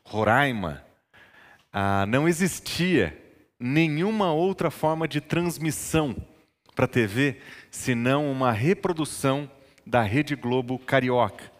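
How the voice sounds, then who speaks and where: A man's voice: mid-range voice, expressive, a little slow. A male pastor preaching a sermon, telling stories from his childhood and building to emphatic teaching. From northern Brazil. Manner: storytelling, rising to emphatic preaching. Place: church. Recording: long church reverb.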